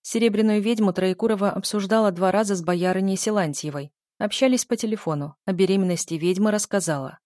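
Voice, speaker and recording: A woman narrating an audiobook voices a demon servant who gives reports in a flat, matter-of-fact way. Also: medium pitch, fast, few pauses, dry recording, studio quality, close to an everyday voice. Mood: reserved.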